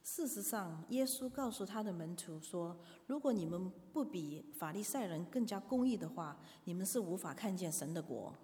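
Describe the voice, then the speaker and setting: A woman's voice: on the low side, animated, moderate pace, few pauses, warm tone. A woman interpreting a sermon live in a church, hesitant, with fillers and self-corrections. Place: church hall. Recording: long hall reverb.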